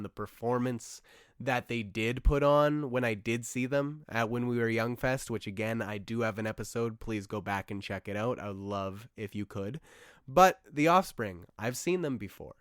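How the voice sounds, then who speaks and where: A young man rambling through a solo podcast episode, rushing into excited bursts and trailing off into asides. His voice sits in a middle pitch with a smooth, resonant core, though it has gone a little rough. The sound is dry and close, with no room around it. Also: no echo. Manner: enthusiastic, rambling, with frequent fillers and asides. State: slightly rough, losing his voice. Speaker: podcast host.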